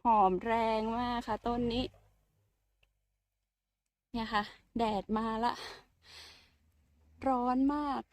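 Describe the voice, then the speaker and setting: A woman's voice: fairly high pitch, level tone, slow pace, pauses often, dry recording. A woman chatting casually and politely as she walks through her home garden outdoors, showing her plants. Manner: chatty, soft-spoken, polite with frequent particles. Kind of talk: casual garden tour vlog.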